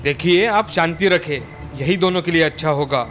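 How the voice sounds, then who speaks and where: Woman doing a calm, fearless young man. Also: sits low, normal speed, faint music behind, voice pushed down, close to an everyday voice. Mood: firm. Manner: calm, firm, respectful.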